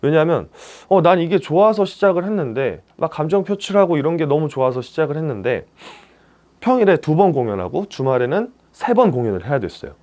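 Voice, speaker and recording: A man's voice: fairly high pitch, fairly quick. A male stage actor giving a career talk to young people, telling his story and acting out the dialogue. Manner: animated storytelling, acts out dialogue.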